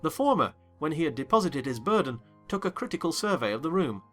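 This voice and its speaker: Bright, expressive male audiobook narrator. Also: fairly high pitch, fast talker, faint music behind. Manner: expressive, wry. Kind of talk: dramatized audiobook reading.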